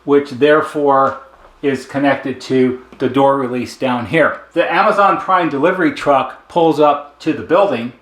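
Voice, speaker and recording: A man's voice: medium pitch, a little slow, a bit bright. A man giving a casual, plain-spoken explainer, taking it step by step in a conversational way. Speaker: intercom service technician and presenter. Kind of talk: casual explainer talk with a diagram. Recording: echoey, roomy sound.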